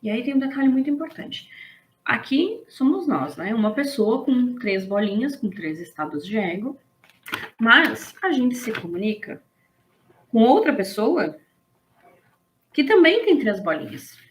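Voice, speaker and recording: A woman, explaining ideas in a casual, animated lesson and checking in with her listeners. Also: on the high side, a little slow, slight background noise. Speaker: business management instructor.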